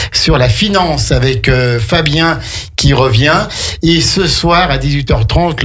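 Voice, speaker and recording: A man's voice: on the high side, a bit bright, a little hiss or hum. A man with a French accent hosting a conversational radio programme. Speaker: radio host.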